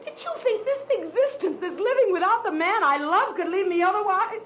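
An actress playing a bitter, half-crazed widow bent on revenge in a 1940s radio crime drama, theatrical, scornful and menacing. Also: female voice, very high-pitched, lively intonation, brisk, a bit bright. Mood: menacing, unhinged. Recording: muffled old radio recording, faint hiss.

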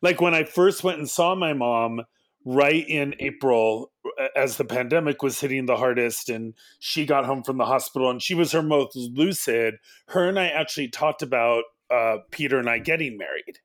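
A man's voice: medium pitch, moderate pace, fairly bright tone. A man telling a personal story casually as a podcast guest.

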